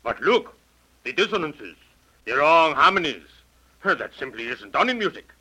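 A man's voice: a little high, sing-song, normal speed, sharp tone, slightly rough, heavily acted, poor audio. An actor playing a stern elderly male piano maestro who lectures a young composer, in 1930s radio acting style.

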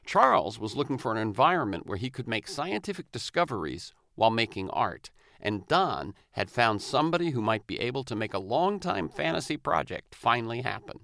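Gravelly-voiced male podcast host. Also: mid-range voice, sing-song, fairly quick, few pauses, fairly bright tone, no room sound. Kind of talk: scripted narration and interview chat.

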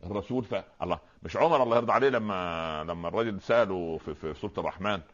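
Fast-talking Egyptian preacher, man. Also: sits low, dull audio. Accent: Egyptian Arabic. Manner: animated, explains with rhetorical questions. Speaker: Islamic preacher, guest scholar. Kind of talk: conversational religious talk show.

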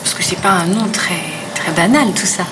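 A woman's voice: mid-range voice, normal speed. Woman podcast host, distant mic, noisy room. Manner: friendly prompting questions. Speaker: podcast interviewer. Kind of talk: interview questions.

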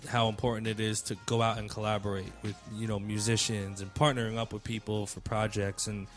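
A man's voice: fairly low pitch, little pitch movement, brisk. A man who works as a music producer hosting a panel in casual, slangy, conversational talk with some swearing. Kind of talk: casual chat.

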